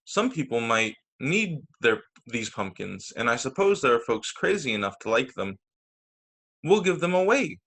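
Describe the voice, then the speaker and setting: A man's voice: mid-range voice, sing-song, normal speed, fairly bright tone. A man voicing a stubborn, exasperated white-haired older woman in a children's storybook, with emphatic delivery. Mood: resigned. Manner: emphatic, indignant declarations.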